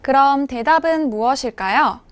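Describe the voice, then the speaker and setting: A woman language teacher giving scripted instructional narration, with clear, measured enunciation. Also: high voice.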